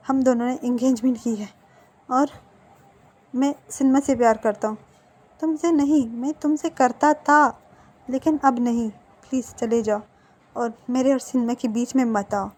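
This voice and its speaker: A woman's voice: a little high, steady tone, a little slow, a little mellow. A woman voicing a heartbroken, defiant young man who pleads emotionally, close to tears. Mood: angry.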